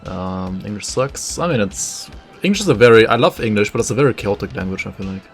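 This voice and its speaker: Low-voiced man streaming a game. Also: animated, a little fast, faint music behind. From Germany. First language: German. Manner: casual, thinking aloud, many "like" fillers. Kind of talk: live gameplay commentary, reading chat.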